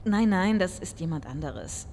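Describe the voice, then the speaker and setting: A woman's voice: fairly low pitch, lively intonation, normal speed, warm tone, slight background noise. An actress playing a composed, probing police inspector in an audio drama, matter-of-fact in her questioning. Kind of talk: German audio drama acting.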